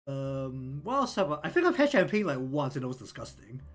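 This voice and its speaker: A man's voice: mid-range voice, big pitch swings, fairly quick. A man with a New Zealand accent chatting casually on his livestream, rambling with lots of ums and likes. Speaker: streamer and artist. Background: faint lofi music.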